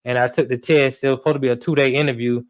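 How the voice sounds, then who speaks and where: A man, a sports radio producer and host, talking in a relaxed way with fillers and repeats as a guest. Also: medium pitch, very fast. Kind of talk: casual storytelling chat.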